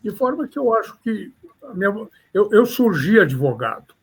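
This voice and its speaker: An older man from São Paulo with a São Paulo Portuguese accent, a criminal defense lawyer recalling his career in measured, formal interview answers. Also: high-pitched, sing-song, slightly rough. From São Paulo, Brazil. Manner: measured, formal, slightly florid phrasing.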